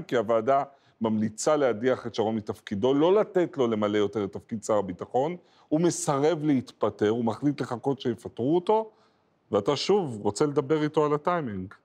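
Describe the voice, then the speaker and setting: A man's voice: mid-range voice, expressive, a little mellow. Male interviewer setting up questions. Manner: lays out background before asking. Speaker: interviewer, host.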